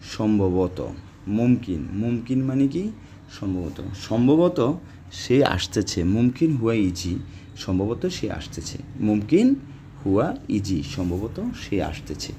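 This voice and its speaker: A man's voice: medium pitch, warm tone, a little hiss or hum. Man teaching Arabic phrases. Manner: repeats phrases slowly, lectures and scolds viewers. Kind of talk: casual spoken lesson.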